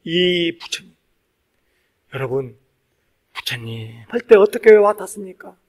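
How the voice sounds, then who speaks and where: A man, a Buddhist monk, preaching to a congregation in an emphatic, exhortative way, repeating key phrases and pausing for weight. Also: high-pitched, very animated, a little mellow. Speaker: Buddhist monk giving a dharma talk. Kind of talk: sermon to a live congregation.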